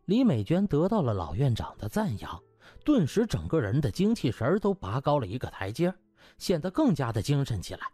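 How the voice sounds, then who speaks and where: Lively male audiobook narrator over music. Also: medium pitch, a little fast, husky, no room sound. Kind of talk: animated scripted storytelling with character voices.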